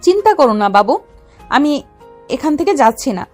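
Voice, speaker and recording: A woman's voice: sits high, very animated, moderate pace, a little mellow, soft background music. An actress playing a young, possessive female mafia don who speaks in a domineering, teasing way in an audio drama. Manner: domineering, teasing, calls him baby.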